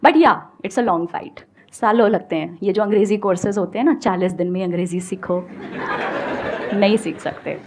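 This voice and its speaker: A woman's voice: mid-range voice, moderate pace, noisy background. A woman with an Indian accent giving an emphatic motivational talk on stage, switching between Hindi and English. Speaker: guest speaker.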